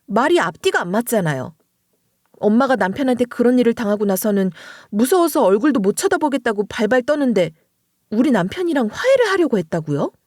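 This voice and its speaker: Expressive woman story narrator. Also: fairly high pitch, a little fast, no echo, clean studio sound. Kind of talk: scripted first-person story narration.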